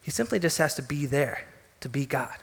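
A male pastor preaching a sermon in a church sanctuary, retelling scripture with animated storytelling and casual humor. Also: on the high side, a little fast, vocal fry, slightly rough. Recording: long hall reverb.

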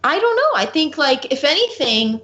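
A woman's voice: sits high, sing-song, a bit bright, lo-fi sound. A young woman co-hosting a podcast who talks a lot, laughs often and speaks frankly in casual chat. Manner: very talkative, laughs often, quick asides. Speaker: podcast co-host.

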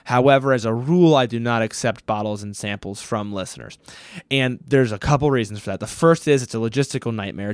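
A man's voice: fairly low pitch, clean tone, no echo. Casual man hosting a podcast. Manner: casual, chatty, thinking aloud with fillers. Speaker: podcast host. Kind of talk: solo Q&A podcast.

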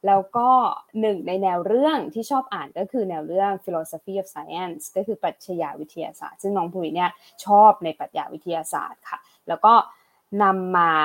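Woman host, low voice, interview questions, short acknowledgements. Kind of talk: conversational interview.

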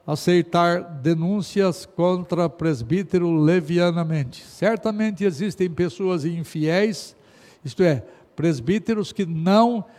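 A middle-aged man with a Brazilian Portuguese accent preaching a sermon as a pastor, emphatic and exhorting, swinging between loud stresses and quiet asides. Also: high-pitched. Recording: long hall reverb.

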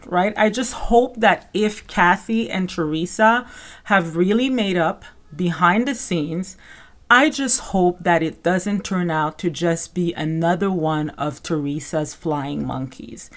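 A woman with a Caribbean French accent hosting a podcast, giving casual, conversational gossip commentary. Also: fairly low pitch. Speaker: podcast host.

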